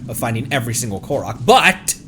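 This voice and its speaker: A man doing casual live gameplay commentary in an animated, halting way, exclaiming often. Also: mid-range voice, a little hiss or hum. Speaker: livestreamer, VTuber. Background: game music.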